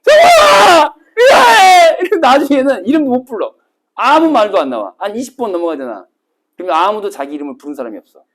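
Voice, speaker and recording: A man teaching a cram school Korean class, telling stories vividly and acting out scenes with sudden shouts. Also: sits high, sing-song, fast. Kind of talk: classroom lecture to exam retakers.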